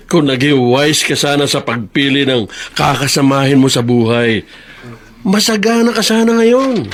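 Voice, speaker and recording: A man playing a bitter, jilted older brother in a radio drama, sneering and taunting, with sudden high outbursts. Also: animated, normal speed, close to an everyday voice.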